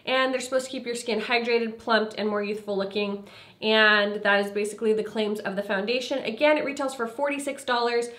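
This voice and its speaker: A woman's voice: fairly high pitch, fairly even intonation, brisk. Chatty young woman, a bit nasal. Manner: chatty, filler-heavy, trailing into quiet asides. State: congested, slightly nasal. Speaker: beauty vlogger. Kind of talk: casual product review and makeup demo.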